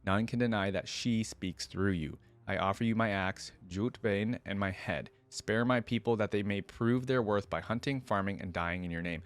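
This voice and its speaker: A man's voice: lowish voice, normal speed, hardly any pauses, lightly acted. A man reading the lines of a large, solemn female tribal war leader in a fantasy story, in a formal, declamatory manner. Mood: humble, pleading.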